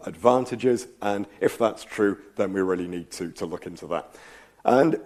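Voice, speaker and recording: A man's voice: on the low side, darkish tone. A man with a slight cold and a fraying voice, giving a public science lecture in a thoughtful, rambling way, with frequent ums and asides. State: slight cold, losing his voice. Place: lecture hall.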